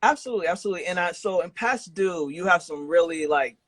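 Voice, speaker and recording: A man's voice: high voice, quick pace, a bit bright, no echo. A man hosting a podcast interview in a casual, slangy, informal way. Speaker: podcast host interviewing a guest. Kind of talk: casual chat.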